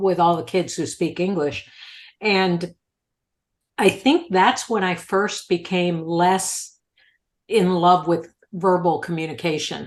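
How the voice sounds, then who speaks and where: Speaking at a fairly slow pace, a woman with a Spanish accent uses a fairly low pitch and ordinary pitch variation. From South America. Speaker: play therapist. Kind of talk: casual panel conversation.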